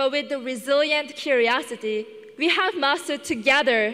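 With a high pitch and a fairly bright tone, a woman speaks at a moderate pace with ordinary pitch variation.

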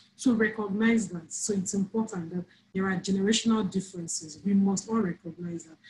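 Speaking with a Nigerian accent at a fairly quick pace, a woman sounds somewhat breathy with fairly even intonation. Her loudness swings widely. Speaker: HR professional; guest. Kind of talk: interview. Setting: video call. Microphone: video call.

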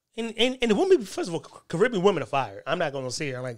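A man with an animated tone at a very fast pace, over a quiet background. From US. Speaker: political commentator. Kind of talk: heated rant. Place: home room. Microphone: studio mic.

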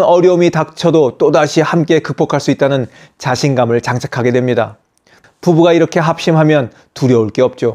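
Against a quiet background, a voice with a dark, mellow tone moves at a moderate pace with ordinary pitch variation. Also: man. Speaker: life advice channel host. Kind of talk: lecture-style talk. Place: home room. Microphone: lapel.

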